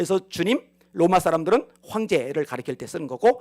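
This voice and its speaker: Lively intonation carries this fairly quick delivery, recorded with a dry, close sound and no echo. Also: man. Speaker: pastor. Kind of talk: bible study lecture. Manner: fast.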